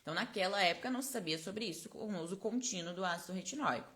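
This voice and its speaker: A woman from Brazil runs a live online esthetics class, chatty and explanatory, sprinkling constant little check-in questions onto her points as she speaks close to a personal microphone. She talks at a racing pace with a medium-pitched, slightly bright voice.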